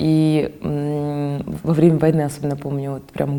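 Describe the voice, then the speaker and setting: A woman speaks at a fairly slow pace. Her very deep, low voice has a dark, mellow tone. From Georgia, then Kazakhstan. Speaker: opera singer. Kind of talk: interview. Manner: hesitant, many fillers.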